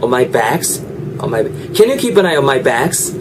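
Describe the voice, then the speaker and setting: Lively Korean man teaching English. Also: mid-range voice, drawn-out words, noisy background. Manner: lively, drills pronunciation with repeated examples. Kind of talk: online English lesson.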